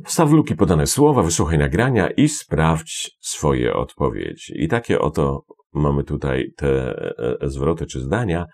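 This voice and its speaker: Very deep husky male teacher. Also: unhurried, few pauses. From Poland. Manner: lively, repeats words, explains with many fillers. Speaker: English teacher. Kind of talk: online language lesson explaining phrases.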